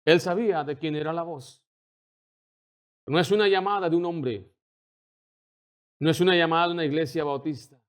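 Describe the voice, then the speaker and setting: A man's voice: fairly high pitch, moderate pace, long pauses. A man, a pastor, preaching a sermon and acting out the people he quotes. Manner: preaching with rising intensity, acting out quoted dialogue.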